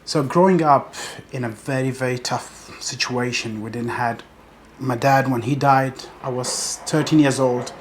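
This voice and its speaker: A man's voice: medium pitch, steady tone, unhurried, a little hiss or hum. A man from Afghanistan, a professional bodybuilder, telling his life story in an earnest, determined interview monologue.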